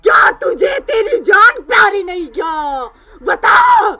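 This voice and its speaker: An actress playing a possessed girl whose spirit taunts and threatens a holy man, shouting and cackling. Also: very high-pitched, wildly swooping pitch, slow, heavily acted. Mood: taunting. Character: possessed girl, spirit Anarkali, defiant and fierce.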